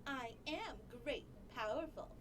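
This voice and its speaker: A woman's voice: sits high, lively intonation, a little slow, over music. A woman voicing a boastful, theatrical cartoon villainess who is pompous and dramatic. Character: boastful, theatrical female villain, great and powerful. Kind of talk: dramatized cartoon parody dialogue.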